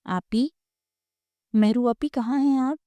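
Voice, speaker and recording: A woman's voice: steady tone, warm tone, no echo, lightly acted. Woman doing a pouty young girl. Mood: worried. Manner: petulant, high-pitched complaints.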